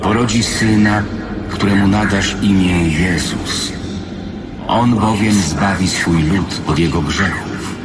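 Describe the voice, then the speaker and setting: A man's voice: low-pitched, slow. An actor playing a solemn, reassuring male angel in a biblical radio drama. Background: loud dramatic music.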